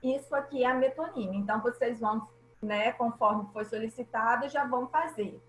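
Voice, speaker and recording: A woman's voice: on the high side, normal speed, echoey room, poor audio. A woman teacher with a Brazilian Portuguese accent, patiently explaining grammar in an online class and often checking that students follow.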